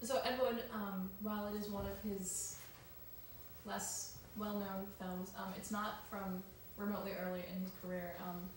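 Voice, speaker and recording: A woman's voice: mid-range voice, flat delivery, moderate pace. A young woman co-hosting a casual chat show, talking loosely with lots of ums and asides. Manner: chatty, with many ums and asides. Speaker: co-host. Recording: echoey room, mic far off, noisy.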